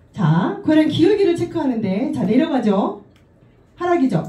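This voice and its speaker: Audible room echo surrounds a woman's high-pitched voice. Her pitch swings very widely. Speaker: crypto trading presenter. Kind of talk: presentation to audience. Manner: fast.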